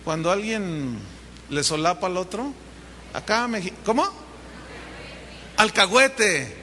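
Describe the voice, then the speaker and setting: High, bright-voiced Mexican pastor preaching. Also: male voice, normal speed, a little hiss or hum. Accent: Mexican Spanish. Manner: animated storytelling, acting out dialogue. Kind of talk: sermon. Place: church hall. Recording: long reverb of a large hall.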